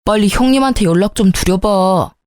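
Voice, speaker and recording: A woman's voice: medium pitch, a little fast, darkish tone, no room sound, clean studio sound, natural voice. A woman playing a clueless, petulant young husband pleading with his wife, in a story reading.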